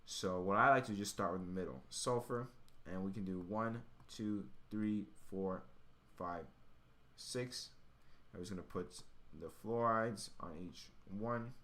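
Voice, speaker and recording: A man's voice: lowish voice, unhurried, a bit bright. A man giving an informal, step-by-step tutoring explanation, thinking aloud as he works. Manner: thinking aloud while working. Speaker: chemistry tutor.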